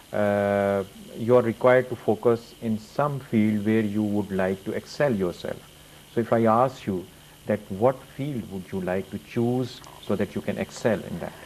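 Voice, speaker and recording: A man with a very deep voice hosts a TV interview, pausing often with fillers as he frames his questions. A faint hiss sits under the recording. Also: a little mellow, poor audio. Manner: hesitant, many uh fillers. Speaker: TV host. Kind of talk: television interview.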